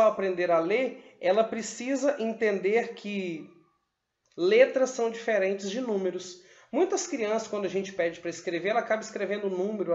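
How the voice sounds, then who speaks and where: A man's voice: high-pitched, reverberant, lo-fi sound. A man teacher giving a literacy lesson at a whiteboard, spelling out sounds and syllables one by one. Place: room with a whiteboard.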